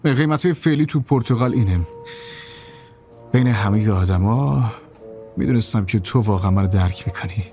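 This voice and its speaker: A man's voice: on the low side, pauses often, warm tone, soft background music, natural voice. An actor dubbing a greedy young nephew who wheedles and dodges questions about his uncle's money. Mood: wheedling. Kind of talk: dubbed film dialogue.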